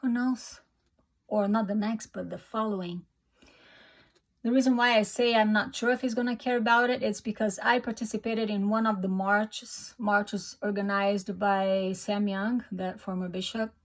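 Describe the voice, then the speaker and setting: A woman's voice: medium pitch, fairly even intonation, moderate pace. A middle-aged Brazilian woman with a Brazilian Portuguese accent, a native Portuguese speaker talking earnestly to camera in English, with hesitant restarts. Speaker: YouTuber.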